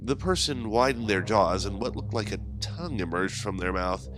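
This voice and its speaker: Male horror narrator, low register, measured theatrical delivery, scripted storytelling with clear music bed. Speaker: horror anthology host and narrator.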